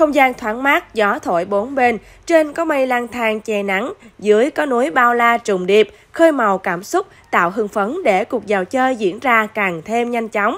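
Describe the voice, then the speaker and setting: An unremarkable speaking voice from a woman, fairly high in pitch, with lively intonation at a fairly slow pace. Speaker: news presenter. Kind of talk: news reading.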